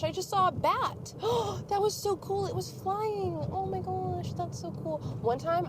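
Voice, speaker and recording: A young woman hosting a podcast in a casual, rambling, self-deprecating solo chat while she drives. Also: fairly high pitch. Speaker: podcast host. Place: inside a moving car. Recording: clear car and road noise behind voice. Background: vehicle hum.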